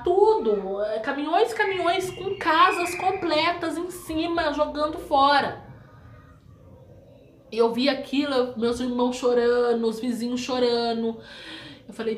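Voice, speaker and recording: Brazilian woman vlogger, raised pitch, emotional storyteller, echoey room with faint noise. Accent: Brazilian Portuguese. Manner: emotional, repeats phrases, talks to viewers as "gente". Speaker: vlogger telling her life story. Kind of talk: casual personal storytelling.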